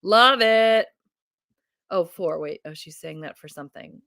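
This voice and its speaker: An upbeat woman hosts a relaxed book chat, reading out viewer comments with eager delight. Her voice is bright and sits close and dry, with no room sound around it. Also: fairly low pitch, a little slow, creaky, no room sound. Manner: enthusiastic, reads viewer comments aloud, laughs often. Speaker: book channel host. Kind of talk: casual livestream book chat.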